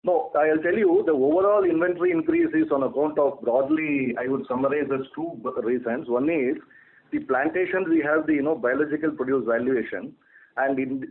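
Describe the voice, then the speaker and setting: A man's voice: medium pitch, gravelly. Hesitant Indian finance man on phone line. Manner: hesitant, repeats words and stalls often. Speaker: company finance executive. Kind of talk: semi-scripted financial briefing on a conference call. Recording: thin telephone conference line.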